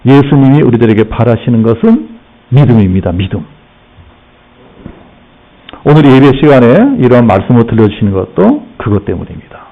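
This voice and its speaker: A middle-aged man preaching a sermon as pastor, addressing the congregation directly and acting out rebukes in a raised voice. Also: highs cut off. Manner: animated, voicing Jesus' rebukes with raised pitch.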